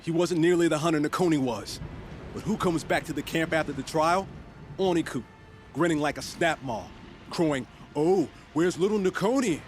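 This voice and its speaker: A man's voice: a little high, normal speed, darkish tone, close to an everyday voice. A man playing an outspoken, talkative young tribal hunter in a video game cutscene. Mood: bitter, angry. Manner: emphatic, outspoken. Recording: music behind the voice.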